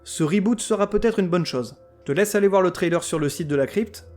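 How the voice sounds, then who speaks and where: A man's voice: high voice, fairly quick, darkish tone, faint music behind. A man hosting a podcast who reviews TV series in a scripted comic style, full of sarcasm, crude words and mock outrage. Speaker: podcast host.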